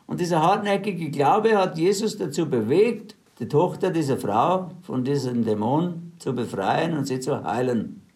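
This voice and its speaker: Male preacher, sermon, earnest, plain-spoken, slightly high voice. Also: expressive, unhurried, a little mellow. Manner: retells scripture in plain everyday words, earnest.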